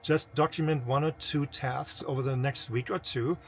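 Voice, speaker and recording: A man's voice: medium pitch, fairly even intonation, normal speed. Man explaining in non-native English accent. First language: not English. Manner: conversational, explanatory. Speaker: senior IT manager giving career advice. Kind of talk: informal instructional talk to camera. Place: small camper interior.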